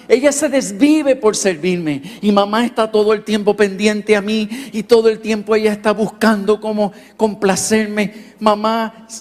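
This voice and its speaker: Brief: scared tearful preteen boy acted by a man, high and halting, pleading, in a big reverberant hall. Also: darkish tone. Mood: earnest. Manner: pleading, halting with repeated words.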